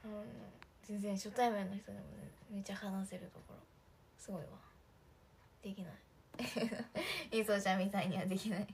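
A woman's voice: medium pitch, normal speed, a little hiss or hum. A young woman chatting casually on a livestream, giggling often and talking to viewers' comments. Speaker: idol livestream host.

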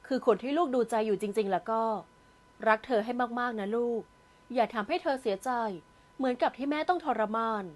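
A woman voicing a tender, loving mother in an audio novel, gently pleading with her son. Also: fairly high pitch, expressive, brisk, lightly acted.

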